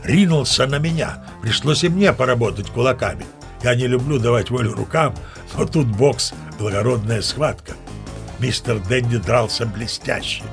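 Audio play lead: male actor as seasoned old mariner telling yarns, mid-range voice, wry dignity, soft music underneath. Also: medium pitch, moderate pace, gravelly, lightly acted. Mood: chatty, wry. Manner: chatty raconteur, mock-dignified. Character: seasoned old male sea captain spinning tall tales. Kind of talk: dramatized storytelling narration.

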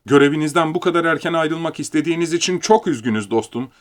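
A man's voice: on the high side, lively intonation, quick pace, pitched above the performer's own voice, natural voice. A man reading an audiobook, voicing an older male official who speaks with patronizing false kindness. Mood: smug.

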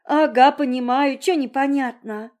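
A woman's voice: sits high, measured pace, a little mellow, voice pushed up. A woman voicing a brash, defiant sick young girl who talks bluntly and cheekily.

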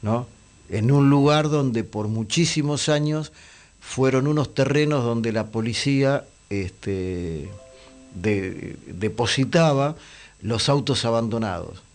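A man, hoarse and losing his voice, chatting on radio with many pauses and fillers. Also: mid-range voice, a little mellow, faint music behind. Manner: hesitant, many fillers and restarts. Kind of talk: casual radio chat.

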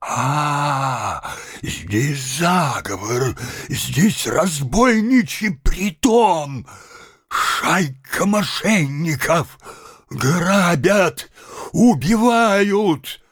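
A man voicing a blustering, loud-mouthed middle-aged bully who shouts and rants. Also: fairly high pitch, sing-song, normal speed, gravelly, few pauses, no room sound, studio quality, pitched above the performer's own voice, full character voice. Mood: ranting. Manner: shouting, ranting.

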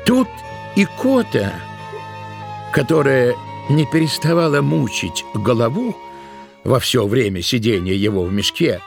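A male narrator tells a literary tale in a dramatic storytelling style. His medium-pitched voice has a gravelly creak, with music clearly heard behind it. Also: sing-song, a little slow.

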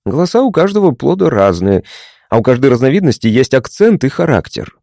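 A man voicing a touchy young male patient who talks matter-of-factly and takes offence quickly. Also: mid-range voice, sing-song, gravelly, warm tone, dry recording, studio quality. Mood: explaining.

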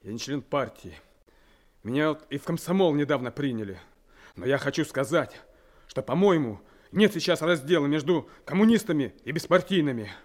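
An actor playing an eager, earnest young Komsomol soldier in a Soviet radio drama. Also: male voice, fairly high pitch, animated, moderate pace. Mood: earnest plea.

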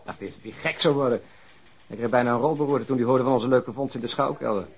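An actor playing an eager, talkative police detective in a radio drama, with a slightly husky voice. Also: male voice, medium pitch, fairly quick. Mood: eager, amused.

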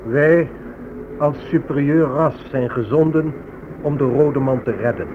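Man as pompous white official, mid-pitched, condescending, radio drama, noisy recording. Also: unhurried, close to an everyday voice. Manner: pompous, patronising. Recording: noisy, thin narrowband old radio recording.

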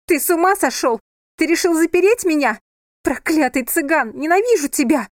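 A woman's voice: lively intonation, moderate pace, dry recording, studio quality. A woman reading aloud and voicing a defiant, tearful young wife who raises her voice and argues back. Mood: shrieking. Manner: shrill, raised, pleading.

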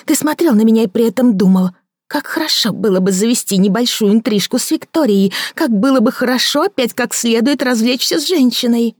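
Woman putting on a shrill, bitter, jealous woman. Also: a little fast, no room sound, studio quality, natural voice. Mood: accusing, scornful. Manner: shrill, scornful, overwrought. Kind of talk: audiobook character voicing.

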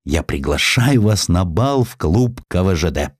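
A man voicing a brisk young female nurse, commanding and playful, in an audio story. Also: low voice, very animated, husky, no room sound, studio quality, exaggerated voice. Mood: teasing.

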